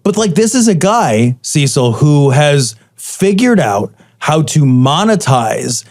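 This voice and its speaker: A man's voice: a little high, sing-song, slow, darkish tone. A man co-hosting a podcast, indignant and sarcastic, driving points home by repeating them. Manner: indignant, sarcastic, emphatic repetition. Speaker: podcast co-host. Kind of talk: casual chat.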